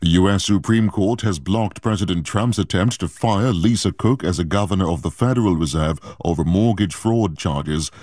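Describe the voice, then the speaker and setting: A man reading a radio news bulletin in a measured, formal way. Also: sits low, a little mellow, no echo. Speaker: newsreader.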